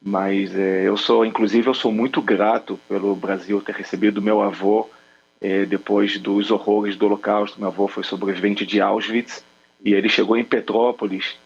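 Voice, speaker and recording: A man's voice: on the low side, little pitch movement, normal speed, creaky, muffled recording. A man in his forties with a Rio de Janeiro Brazilian accent, a military spokesman answering earnestly on a video call, with frequent hesitation fillers. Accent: Rio de Janeiro Brazilian Portuguese. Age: 40s. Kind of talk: remote interview answers.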